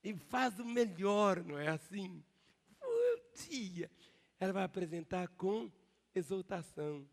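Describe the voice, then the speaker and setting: A man's voice: high-pitched, moderate pace, creaky. An older man preaching a sermon in a large church as pastor, driving the congregation to repeat words back to him. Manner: emphatic preaching with call-and-response. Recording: long church hall reverb.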